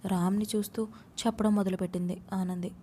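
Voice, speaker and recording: A woman's voice: mid-range voice, flat delivery, a little fast, dark tone, slight background noise. A woman narrating an audiobook love story, reading every character's lines in her own voice with light acting.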